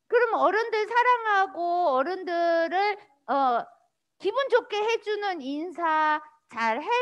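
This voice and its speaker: A woman pastor giving a children's sermon, animated and sing-song, asking little children questions in a church worship room. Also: very high-pitched.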